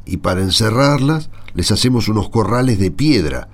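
A man playing a patient old grandfather from the countryside in a radio drama, with an Argentine accent and an unhurried, folksy, hesitant way of talking. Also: fairly low pitch, lively intonation. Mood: nostalgic. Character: patient old grandfather reminiscing about his rural homeland.

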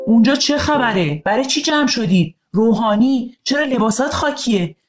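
A woman's voice: fairly high pitch, expressive, voice pushed up, close to an everyday voice. A woman voicing a stern, scolding male school principal in an audio storybook over guitar music.

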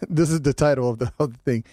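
A man hosting a morning radio show, chatting in an animated, joking way and laughing often. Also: medium pitch, brisk, no room sound, clean studio sound. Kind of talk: casual morning radio banter.

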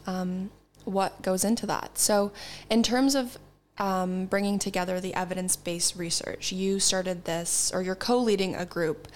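A woman's voice: mid-range voice, steady tone, unhurried, slight background noise. A young woman hosting a podcast, upbeat and enthusiastic as she introduces her guest. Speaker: podcast host. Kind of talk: podcast interview. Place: university institute in London.

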